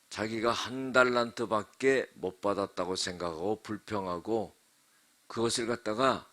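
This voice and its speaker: A male pastor giving an early-morning sermon, speaking earnestly and in measured phrases straight to his congregation in a temporary church sanctuary. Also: on the low side, fairly bright tone. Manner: earnest, measured preaching that addresses the congregation directly.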